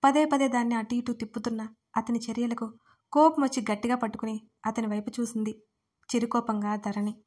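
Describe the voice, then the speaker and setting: Female storyteller, dramatic narration, somewhat high voice. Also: brisk. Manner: expressive, dramatic reading.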